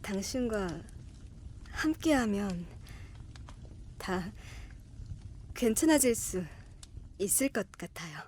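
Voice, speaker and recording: A woman voice actor playing an earnest young woman writer in an audio drama, with a soft, sincere and reflective delivery. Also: mid-range voice, lively intonation, slow, long pauses, a little hiss or hum. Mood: subdued, hesitant.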